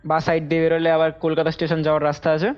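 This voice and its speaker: A man's voice: on the high side, very fast. A young man tells his own experience casually on a call, rambling and repeating himself as he goes. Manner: animated, repetitive, rambling retelling with acted-out quotes. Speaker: caller recounting a personal experience. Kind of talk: casual spoken storytelling. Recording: dull lo-fi call recording over music.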